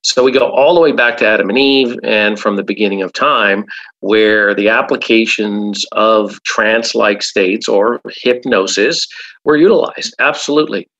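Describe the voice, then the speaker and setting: A man's voice: on the low side, normal speed, fairly bright tone, poor audio. A man, a hypnotherapist guest in an interview, talking emphatically and often repeating "absolutely". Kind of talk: casual interview talk.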